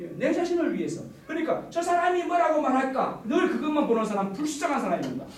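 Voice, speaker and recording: Over noticeable background noise and audible room echo, a man speaks at an extremely high pitch in an animated tone, with very wide pitch swings and a fairly quick pace. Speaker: professor and lecturer. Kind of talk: lecture. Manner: loud.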